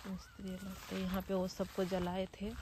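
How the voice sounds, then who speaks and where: Soft-spoken grieving young woman. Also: medium pitch, completely flat delivery, very noisy. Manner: subdued, grieving, speaks slowly and softly. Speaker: vlogger. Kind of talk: personal vlog talk. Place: outdoors at family graves by home.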